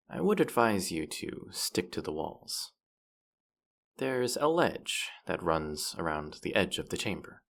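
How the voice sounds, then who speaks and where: Man playing a smug, low-voiced teasing demon. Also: vocal fry, exaggerated voice. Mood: advising, playful. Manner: teasing, smug, theatrical, drawn-out delivery. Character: playful, boastful, teasing male demon afterlife guide. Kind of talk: scripted roleplay audio drama.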